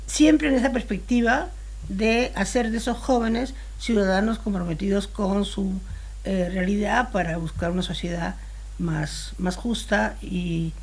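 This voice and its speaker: A woman in her sixties, born in Spain, talking as an interview guest in a relaxed, thoughtful way and pausing to search for her words. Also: medium pitch, slightly rough.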